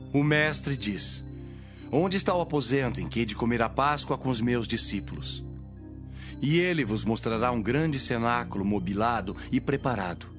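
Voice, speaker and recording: Casting: a man to play a grave, authoritative holy teacher in Bible audio drama, mid-pitched, measured, declamatory, with background music. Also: lightly acted. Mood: solemn, instructing.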